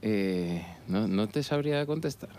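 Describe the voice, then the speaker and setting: A man whose first language is Portuguese, a band musician answering hesitantly with soft laughs. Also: on the low side, expressive, unhurried. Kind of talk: casual interview answers.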